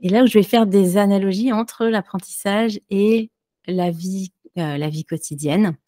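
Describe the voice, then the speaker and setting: A woman who teaches French, answering interview questions casually with many pauses and fillers. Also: medium pitch, mellow, dry recording, studio quality. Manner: hesitant, many fillers and restarts, light laughs. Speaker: French teacher and podcaster, guest.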